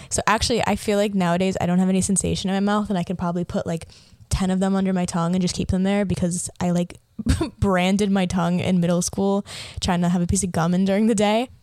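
A woman's voice: on the low side, darkish tone, no room sound. A young adult woman hosting a casual solo podcast, rambling and chatty with lots of filler words and a slight lisp. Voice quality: slight lisp from a watering mouth. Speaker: podcast host.

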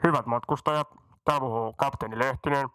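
A man voicing a careless, boastful airline captain who rambles through a deadpan cabin announcement. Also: medium pitch, clean tone, no room sound, close to an everyday voice. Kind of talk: comedy sketch.

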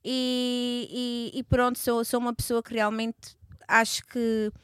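A woman's voice: a little high, level tone, slow, clear, resonant tone, dry recording, clean studio sound. A woman in her thirties, born in Portugal, speaking as an interview guest in a hesitant, reflective way with frequent fillers and restarts. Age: 30s. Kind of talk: conversational interview.

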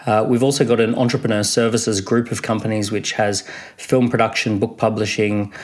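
A man on the low side of the range. He is an entrepreneur guest giving relaxed, conversational answers in an interview. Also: brisk. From Australia.

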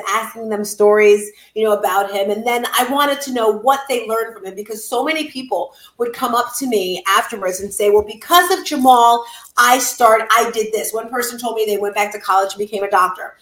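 A middle-aged woman, a bereaved mother, tells her story in conversation, earnest and heartfelt with sudden lively outbursts. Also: on the high side, brisk, few pauses, echoey room, rough recording.

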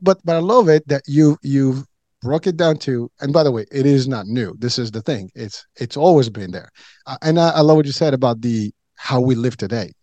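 A man's voice: medium pitch, mellow, dry recording. A middle-aged man from Morocco chatting as a podcast guest, rambling with many fillers and restarts. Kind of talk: casual chat.

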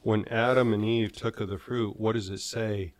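A man on a Christian discussion panel, speaking in a measured way and slowing down when he quotes. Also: fairly low pitch, steady tone.

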